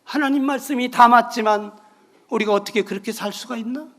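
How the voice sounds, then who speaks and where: A middle-aged man delivers a sermon as a pastor, his voice set very high for a man. He rises into emphatic bursts and then falls to quiet, low passages. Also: a little fast. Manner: preaching with rising emphatic bursts and quiet drops.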